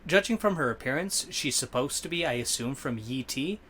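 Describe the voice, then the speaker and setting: A man's voice: mid-range voice, animated, a little fast, fairly bright tone, slight background noise. A man co-hosting a podcast in casual chat, rambling and correcting himself as he gives his opinions. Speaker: podcast co-host.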